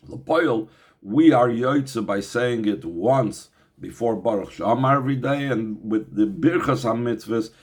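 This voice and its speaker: A man's voice: lowish voice, husky. A man teaching a Chassidic text, reading out Hebrew phrases and explaining them in English, often asking rhetorical questions. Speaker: Torah teacher.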